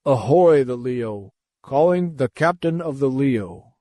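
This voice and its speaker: A man's voice: mid-range voice, expressive, slow, mellow, no room sound, clean studio sound. A man voicing a male enemy commander who speaks with a foreign intonation, clipped and commanding. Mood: cold, commanding.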